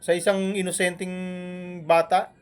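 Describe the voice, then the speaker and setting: A man scolding and mocking a rival on a live stream, with taunting jabs and long humming pauses between them. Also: sits high, level tone. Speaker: vlogger.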